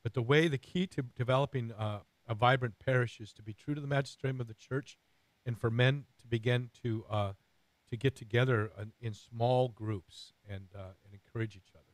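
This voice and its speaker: Hoarse, raspy middle-aged male radio host. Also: mid-range voice, a little fast, no room sound. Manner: earnest, rambling with many fillers and restarts.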